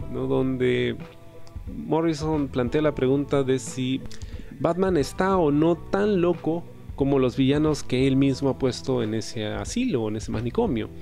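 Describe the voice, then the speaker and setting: A comic book reviewer discusses a graphic novel in a casual, reflective way, often ending points with questioning asides and using a few hesitant fillers. His voice is mid-range, creaky and dark in tone.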